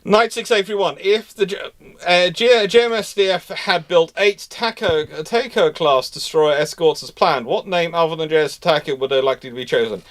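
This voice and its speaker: A man's voice: on the high side, moderate pace, a bit bright, no echo. A man talking casually as host of a live history discussion, rambling and often restarting his phrases. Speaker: host answering naval history questions.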